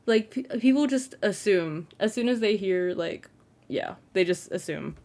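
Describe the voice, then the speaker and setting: A young trans man with a feminine-sounding, fairly flat voice, rambling self-consciously in a casual late-night vlog from his bedroom, full of "like" fillers. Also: high-pitched, measured pace. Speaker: content creator.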